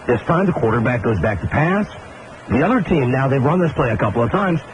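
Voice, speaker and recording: A middle-aged man, a radio host, telling a long story and getting animated, with laughs and shouts at the high points. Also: fairly quick. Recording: dull old radio broadcast tape with hiss.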